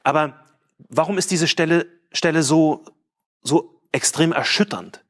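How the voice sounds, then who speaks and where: A man's voice: a little high, a little slow, a bit bright. A man preaching a sermon, earnest and emphatic, asking rhetorical questions and reading scripture with dramatic emphasis. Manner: quotes scripture with raised, dramatic voice.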